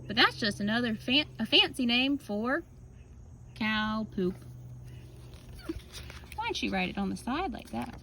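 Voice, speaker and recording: Higher-voiced woman reading a children's story. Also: sing-song, measured pace, pauses often, pushed and bright, a little hiss or hum, poor audio. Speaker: teacher reading a picture book aloud. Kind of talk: children's story read-aloud with casual asides.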